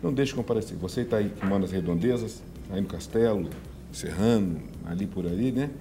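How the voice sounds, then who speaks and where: A man's voice: lowish voice, fairly quick, background noise. A man, a pastor chatting on a TV talk show and promoting church services. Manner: upbeat promotional delivery with laughs. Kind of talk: casual talk-show chat and church announcements. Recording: music bed behind the voice.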